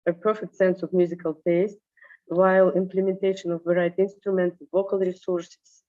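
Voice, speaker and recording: Hoarse, grating woman presenting. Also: fairly low pitch, warm tone. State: hoarse, strained voice. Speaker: university professor presenting a paper. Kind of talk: academic conference presentation. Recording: dull, muffled conference audio.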